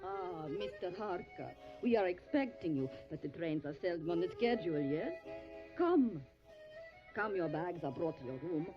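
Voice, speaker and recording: A woman playing a hospitable, anxious Transylvanian innkeeper in an audio drama, with an Eastern European accent and halting, solicitous phrasing. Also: on the low side, animated, close to an everyday voice. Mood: welcoming, eager. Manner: halting foreign phrasing, tag questions, solicitous. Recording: dull lo-fi audio, faint music. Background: music.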